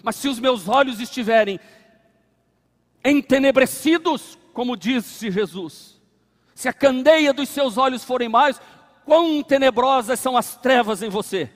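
A Brazilian man preaching a sermon as pastor, dramatic, dropping to a hush and building to loud climaxes. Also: very high-pitched. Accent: Brazilian Portuguese. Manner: dramatic preaching, acts out voices in anecdotes, swings from hushed to loud. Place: church sanctuary. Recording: long hall reverb.

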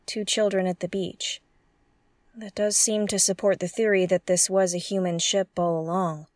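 A woman's voice: mid-range voice, flat delivery, moderate pace, no room sound, studio quality, natural voice. A woman playing a curious, jittery explorer alone on a derelict spaceship, thinking aloud in an audio drama in a hesitant, exclamatory way. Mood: intent, puzzled. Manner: hesitant, exclamatory, muttering to herself.

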